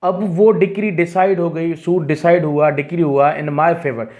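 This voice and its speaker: A man's voice: a little high, steady tone, measured pace, darkish tone. A man with a South Asian accent lecturing as a teacher, explaining in a didactic way, repeating key phrases and mixing in English terms. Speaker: law teacher. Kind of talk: exam-prep lecture, explaining and reading out definitions.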